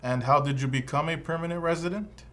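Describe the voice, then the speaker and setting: A man's voice: fairly high pitch, fast talker, a bit bright, close to an everyday voice. A man voicing an immigration officer who asks formal, neutral questions in a scripted practice dialogue. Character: male immigration officer conducting an interview.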